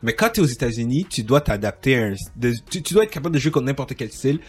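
Husky-voiced rambling host. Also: male voice, medium pitch, sing-song, fast talker. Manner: rambling, many restarts and fillers, laughs often. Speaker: podcast host. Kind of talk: casual interview chat.

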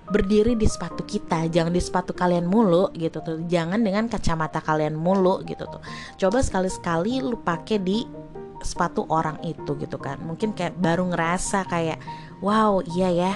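A young woman with a Jakarta accent hosts her own podcast and talks straight to her listeners. She rants in a chatty, slangy, exasperated way at a middling pitch. Faint music plays under her voice. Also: a little mellow. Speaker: podcast host. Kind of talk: casual solo podcast commentary.

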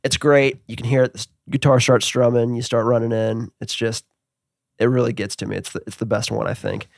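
A man hosting a casual interview, asking questions in a relaxed, friendly way. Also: mid-range voice, brisk, vocal fry, no room sound, clean studio sound. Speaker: podcast host.

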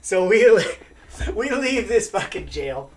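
A man telling a wild story as a podcast guest, animated and profane, acting out what people said. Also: sits high, a little slow, noisy background. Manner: animated, profane, acts out quotes. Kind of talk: casual storytelling.

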